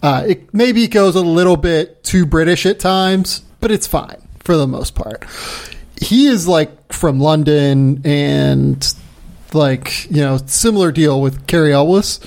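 Gravelly, higher-voiced man chatting. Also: slow pace, a little mellow. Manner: chatty, repeats words. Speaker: podcast host. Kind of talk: casual chat.

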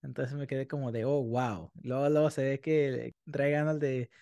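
A man's voice: medium pitch, steady tone, normal speed, creaky, warm tone. A man hosting a podcast, asking chatty, rambling questions. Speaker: podcast host. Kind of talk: casual interview.

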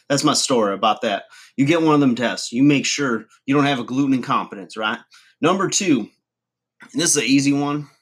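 A folksy redneck guru rambles through a comic advice show, as a man plays him. He chuckles, trails off and mangles big words. His voice sits at an everyday middle pitch. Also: a bit bright. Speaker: comedy channel host. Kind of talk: comic monologue to camera.

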